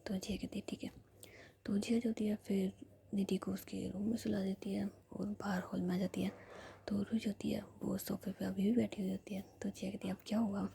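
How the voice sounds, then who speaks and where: A woman's voice: medium pitch, flat delivery, fairly quick, vocal fry. Whispering woman telling a story. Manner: soft whisper throughout, chatty fillers.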